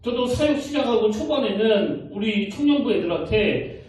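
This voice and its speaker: A male pastor delivers a sermon in an animated, conversational storytelling manner, his voice pitched high and rising and falling widely. His voice rings through a reverberant church sanctuary, picked up from a distance. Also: normal speed. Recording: echoey hall, mic from a distance.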